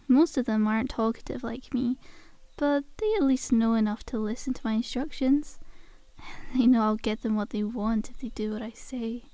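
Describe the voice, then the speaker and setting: A woman's voice: on the high side, mellow, dry recording. A woman playing a friendly, sly zombie girl in an ASMR roleplay, coaxing a survivor in a chummy, casual, faux-innocent way. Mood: chummy, persuasive.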